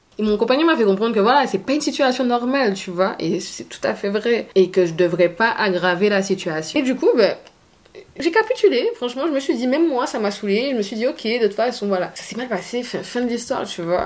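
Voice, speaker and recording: Noticeable background noise runs under a woman's fairly high voice. She talks fairly quickly with lively intonation. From Guadeloupe. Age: 20s. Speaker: YouTuber. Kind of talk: storytime, casual talk to camera.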